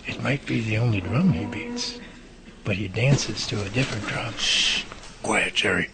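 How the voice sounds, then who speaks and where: A man's voice: on the low side, normal speed, music in the background, natural voice. An actor playing a wry, easily exasperated male professor given to grumbling asides in an audio drama. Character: exasperated, muttering male professor leading Bigfoot researchers.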